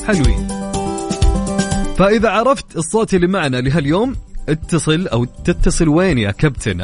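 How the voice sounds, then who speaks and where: A young man with a Saudi accent hosting a lively radio show, chatty and upbeat, answering his own questions. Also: sits high. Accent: Saudi Arabic. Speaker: radio host. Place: radio studio. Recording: studio radio with faint music.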